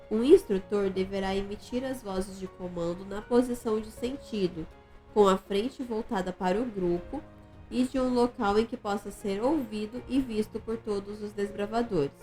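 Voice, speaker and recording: A woman reading an instructional manual aloud in a measured, formal way. She gives extra stress to the command words. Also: mid-range voice, darkish tone. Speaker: audiobook narrator.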